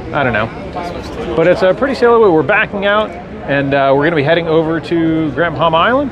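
Amid noticeable background noise, a man speaks very fast at a high pitch. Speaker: travel vlogger. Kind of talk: casual vlog chat. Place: boat. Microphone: phone near.

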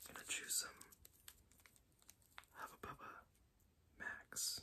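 A man whispers at a fairly slow pace. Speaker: ASMR creator. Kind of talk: ASMR whisper ramble. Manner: whispered. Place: home room. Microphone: earbuds.

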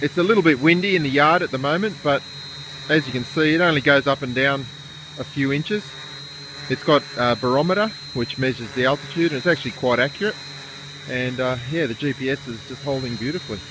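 Over noticeable background noise, a man speaks very fast with ordinary pitch variation in a dry sound with no echo. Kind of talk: casual demonstration commentary. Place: garden. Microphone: phone near.

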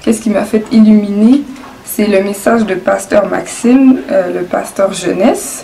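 A woman at medium pitch, fairly slow in pace, with ordinary pitch variation over light background noise. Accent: Quebec. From Quebec. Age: 20s. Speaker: church member being baptized. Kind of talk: testimony. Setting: church. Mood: earnest, reflective. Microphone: webcam.

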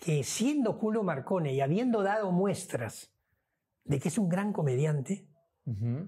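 A man with a Lima accent, high-pitched, with very wide pitch swings and a dark, mellow tone, over a quiet background. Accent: Peruvian Lima Spanish. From Lima, Peru. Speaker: film director; guest. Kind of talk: casual interview. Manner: halting, repeats words. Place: studio.

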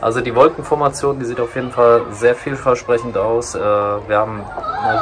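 Somewhat unhurried delivery, with clearly audible noise behind it. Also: man. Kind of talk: casual vlog chat. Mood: hopeful, patient anticipation. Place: home room. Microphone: phone near.

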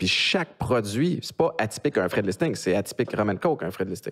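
A man's fairly low-pitched voice in a Quebec accent at a fairly quick pace, over a quiet background. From Quebec, Montréal-Nord; Quebec, Canada. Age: 30s. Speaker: entrepreneur and former football player; podcast guest. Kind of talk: casual interview chat. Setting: studio. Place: studio. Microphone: studio mic.

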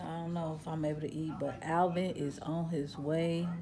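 The voice is somewhat breathy, with a dark, mellow tone at a moderate pace. Noticeable background noise is present. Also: woman. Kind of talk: casual vlog chat. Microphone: phone near.

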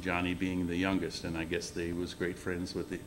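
Against noticeable background noise, a man with a very deep, low pitch talks at a fairly quick pace in an American accent, his intonation monotone and flat. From US Midwest. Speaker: former resident telling local history; speaker. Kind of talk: reminiscence speech to audience. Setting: reunion gathering with microphone and audience. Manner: humorous. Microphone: podium.

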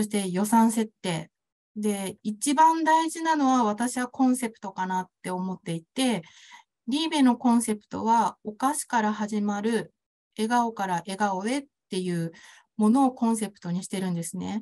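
A woman talks at a moderate pace in a dark, mellow tone, her fairly high pitch moving in lively intonation, with big swings in loudness. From Naraha, Fukushima; Fukushima, Japan. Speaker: pastry shop owner. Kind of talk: presentation. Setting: online video event. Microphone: video call.

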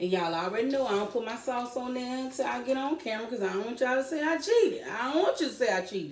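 A woman with a high pitch talks at a very fast pace, with audible room echo and light background noise. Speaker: food vlogger. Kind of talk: casual vlog chat. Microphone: camera far.

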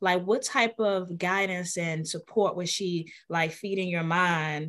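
With ordinary pitch variation, a woman speaks at a fairly low pitch. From Washington DC. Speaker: podcast co-host and notary; podcast co-host. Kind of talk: casual chat. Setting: podcast recording. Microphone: webcam.

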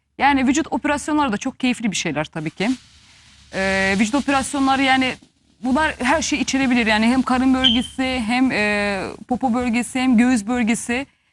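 A woman with a high pitch talks using ordinary pitch variation. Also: moderate pace. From Russia, Moscow. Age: 40s. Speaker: plastic surgeon. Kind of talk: TV interview. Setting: TV studio.

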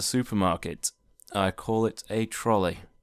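A man with a Yorkshire accent, in a very clean recording with a silent background and a dry, close sound with no echo. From South Yorkshire, England. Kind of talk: casual talk to camera.

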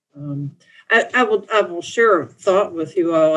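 The pace is moderate. The background is quiet. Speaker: book discussion participant. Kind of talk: casual group discussion. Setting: video call. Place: home room. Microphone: video call.

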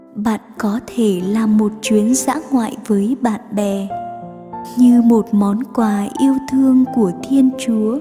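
Clear music plays in the background as a woman speaks at a very slow pace. Her pitch is fairly high, with ordinary variation. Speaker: prayer reader. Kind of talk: devotional prayer reading. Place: studio.

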